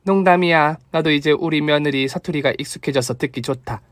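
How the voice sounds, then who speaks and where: A man's voice: on the high side, fairly quick, no room sound, lightly acted. A man voicing a thrifty, kind elderly mother-in-law who fusses and scolds affectionately. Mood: fond.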